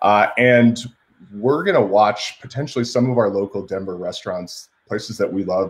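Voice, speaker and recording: A man talks at a moderate pace in a plain, everyday voice. His pitch is fairly low, with ordinary variation. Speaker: guest. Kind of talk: interview answer. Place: home room. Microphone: video call.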